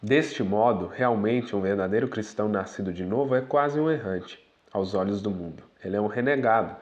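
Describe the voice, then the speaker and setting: Preacher mixing readings and asides. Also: male voice, fairly low pitch, a little mellow. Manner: reads quoted passages aloud and breaks in with asides, "né?", to the brethren. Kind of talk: sermon reading and commenting on quoted teachings.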